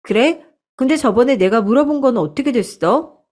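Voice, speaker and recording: A woman's voice: a little high, expressive, moderate pace, a little mellow, pitched above the performer's own voice. A woman voicing a cheeky, self-assured young woman student who talks back confidently. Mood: friendly. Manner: pert, confident talking back.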